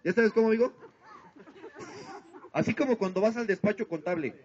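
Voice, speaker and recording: A man's voice: high-pitched, a little mellow, slight background noise. A silly party clown, a man, works an outdoor crowd over a handheld microphone. He is playful and showy, stretching out his announcements. The camera audio is dull and lo-fi. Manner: silly, playful clown showmanship with drawn-out calls for applause. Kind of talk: live children's party entertainment, running a contest on microphone. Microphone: handheld microphone over PA, filmed by distant camera.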